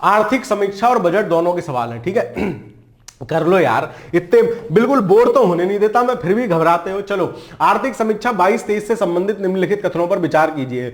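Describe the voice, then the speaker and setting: A man's voice: high-pitched, expressive, normal speed. A man teaching an exam-prep lesson in a casual, joking way, with memory tricks and frequent check-ins, speaking. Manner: chatty, jokey memory tricks, frequent "ठीक है".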